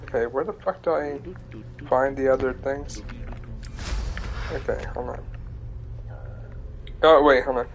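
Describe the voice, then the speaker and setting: A man's voice: medium pitch, steady tone, unhurried, long pauses. A young man streaming a game, rambling, laughing and swearing in casual chat.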